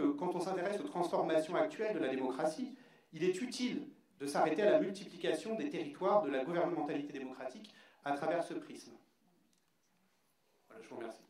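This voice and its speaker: A man on a panel reading out an academic talk in a measured way, with a few fillers. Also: a little high, darkish tone. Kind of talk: read academic presentation. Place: large hall on a stage. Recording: very echoey hall from far off.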